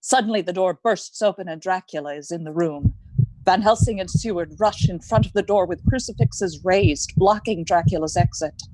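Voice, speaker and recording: A woman narrating the action of a gothic horror radio play in a measured, dramatic, scripted style. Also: on the low side, lightly acted. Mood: suspenseful. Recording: clearly noisy live recording.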